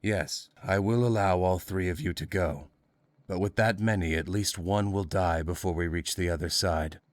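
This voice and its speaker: An actor playing a grim, stoic guide in a visual novel, speaking in a flat, dispassionate way. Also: male voice, low voice, moderate pace, dry recording, natural voice. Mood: stoic, grave. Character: grim, stoic young male ferry guide, emotionless and dispassionate.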